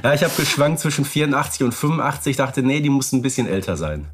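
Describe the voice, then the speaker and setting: Husky-voiced man podcast co-host. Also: mid-range voice, big pitch swings, fast. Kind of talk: casual podcast chat.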